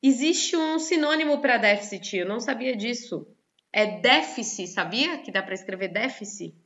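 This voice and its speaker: A woman with a slightly high voice and a Brazilian Portuguese accent explains a lesson in an online class at normal speed, though the recording is muffled. She is lively and keeps checking in with her students, asking them questions often.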